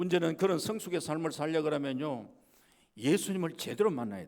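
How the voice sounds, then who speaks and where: At a moderate pace, a man with a fairly high pitch and vocal fry speaks with lively intonation and big swings in loudness, with audible room echo. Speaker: pastor. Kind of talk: sermon. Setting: church. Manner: animated.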